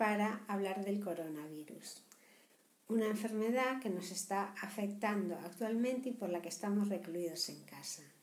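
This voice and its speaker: A woman speaks at a medium pitch with lively intonation. Room echo is audible. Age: 50s. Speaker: mother recording a personal video diary. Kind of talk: personal video diary. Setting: at home.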